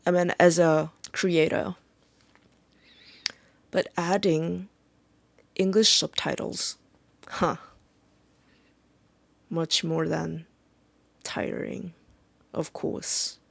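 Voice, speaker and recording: Slow, heavily creaky Korean-accented vlogger. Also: mid-range voice, steady tone, no echo. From South Korea. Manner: halting, searching for words, many fillers. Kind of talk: casual reflective monologue.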